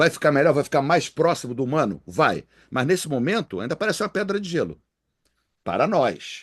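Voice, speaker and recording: Vocal fry and lively intonation at a fairly quick pace, over a quiet background. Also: man, fairly high pitch for a man. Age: 60s. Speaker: DJ and music producer. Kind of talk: casual chat.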